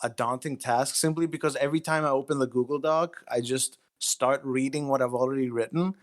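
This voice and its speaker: A man being interviewed as a writer, explaining himself casually in a thoughtful, somewhat halting way. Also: mid-range voice, fairly even intonation.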